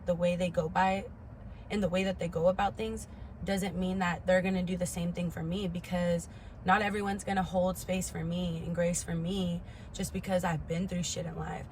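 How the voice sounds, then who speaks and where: A woman's voice: fairly low pitch, little pitch movement, moderate pace, darkish tone, a little hiss or hum. A woman in her twenties giving a candid personal talk to camera, stressing points emphatically by repeating words. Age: 20s. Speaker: vlogger.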